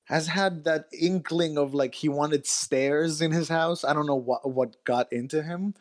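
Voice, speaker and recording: A man with a slightly high voice speaks as a guest writer in a casual interview. His delivery is halting, as he thinks aloud and rephrases along the way. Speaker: guest author. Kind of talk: casual chat.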